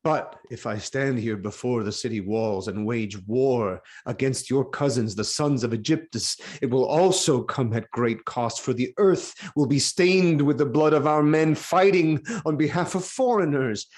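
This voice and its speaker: A man's voice: mid-range voice, a little mellow, lightly acted. Man acting a grave, troubled ancient king. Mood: anguished, fearful. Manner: declamatory, deliberate, weighty. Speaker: actor giving a dramatic reading. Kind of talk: live dramatic reading of ancient Greek tragedy. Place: online video call.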